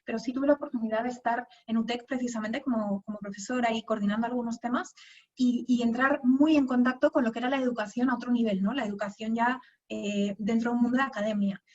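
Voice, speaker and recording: A woman's voice: fairly high pitch, fairly even intonation, quick pace, a little mellow, muffled recording. A woman from Spain with a Madrid accent, giving a conversational webinar talk with many fillers and restarts. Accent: Spanish, from Madrid. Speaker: guest speaker. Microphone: video call.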